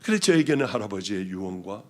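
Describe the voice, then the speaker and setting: Fast and very animated, a low-voiced male pastor shares his testimony from the pulpit with intense feeling. His sermon swings from hushed passages to loud ones.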